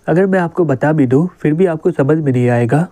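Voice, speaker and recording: A man's voice: on the high side, a little fast, mellow, no room sound, close to an everyday voice. A cheeky schoolboy hero, read by a man. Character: teenage schoolboy hero with x-ray vision, cheeky.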